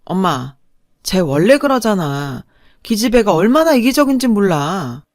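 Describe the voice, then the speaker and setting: A woman voicing a pampered, selfish elder sister who talks in a low, sulky whine. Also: big pitch swings, unhurried, a little mellow, no room sound, clean studio sound. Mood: sneering.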